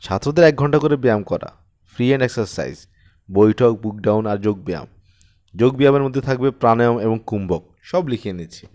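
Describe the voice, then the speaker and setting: A man's voice: mid-range voice, fairly quick, darkish tone, lightly acted. Man putting on a meek, eager old schoolteacher. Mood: earnest, eager. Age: older. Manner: deferential, pleading, eager. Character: meek, earnest, eccentric elderly male exercise teacher.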